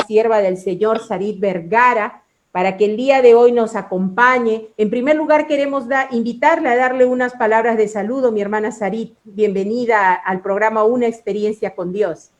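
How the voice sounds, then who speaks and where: A woman's voice: fairly high pitch, darkish tone, highs cut off. A woman hosting a Christian program, telling devotional stories and introducing guests in an earnest, formal, reverent manner. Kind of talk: devotional storytelling and interviewing.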